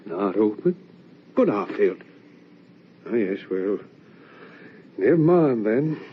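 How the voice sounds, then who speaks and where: A weary young gentleman who broods and snaps, his voice husky and slow. He sounds dull and muffled, like an old radio recording. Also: fairly low pitch, very animated, exaggerated voice. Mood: weary irritable. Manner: weary, brooding, quick to snap. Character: troubled wealthy young gentleman, sickly and irritable. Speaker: narrator and lead character. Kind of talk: 1940s radio acting.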